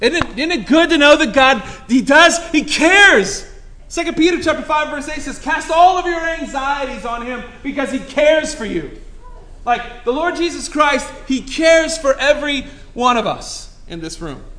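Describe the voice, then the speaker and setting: Over noticeable background noise, a man speaks in a raised, projected voice at an extremely high pitch. His tone is animated, and his loudness swings widely. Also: ordinary pitch variation, moderate pace. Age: 40s. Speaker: pastor. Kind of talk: sermon. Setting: church.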